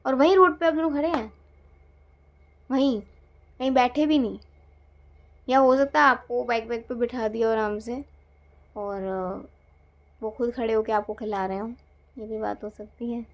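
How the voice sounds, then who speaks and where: A woman tarot reader gently narrating a guided visualization, hesitating often with fillers, on a dull lo-fi recording. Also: a little high, normal speed, pauses often.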